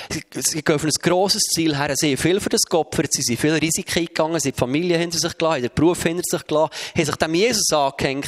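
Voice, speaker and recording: A man preaching, his voice sitting quite high. He tells the stories vividly and slips into the voices of the people in them. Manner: lively storytelling that acts out the voices of Bible figures. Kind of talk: sermon.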